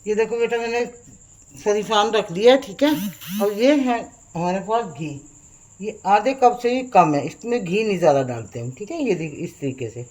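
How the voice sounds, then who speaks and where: An older woman with a Pakistani Urdu accent talks through a recipe in a motherly tone, her voice strained by a sore throat. Her pitch sits in a middle range, and a faint hiss of background noise runs under the recording. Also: animated, normal speed, darkish tone, rough recording. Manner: motherly, calls viewers "beta", repeats "theek hai". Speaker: cooking channel host. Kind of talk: home cooking tutorial. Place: home kitchen at the stove.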